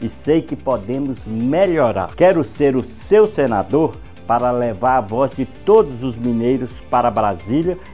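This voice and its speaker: Mellow man, campaign pitch. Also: animated, moderate pace, soft background music. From Minas Gerais, Brazil. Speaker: senate candidate. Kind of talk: campaign ad speech.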